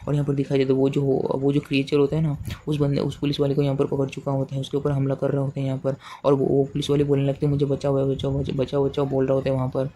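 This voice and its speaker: A man's voice: mid-range voice, fast, hardly any pauses, slight background noise. A man with an Indian accent casually recapping a comic chapter, rambling and repeating himself with many fillers and restarts. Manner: speaks quotes in the same flat narrating voice. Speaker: manhwa recap narrator. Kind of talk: casual story recap narration.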